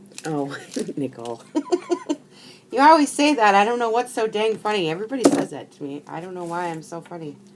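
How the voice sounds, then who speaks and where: A woman's medium-pitched voice at a fairly quick pace, with very wide pitch swings, big swings in loudness, long and frequent pauses, and noticeable background noise. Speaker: crafting video host. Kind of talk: casual chat. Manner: talkative; loud laugh. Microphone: too quiet for some viewers.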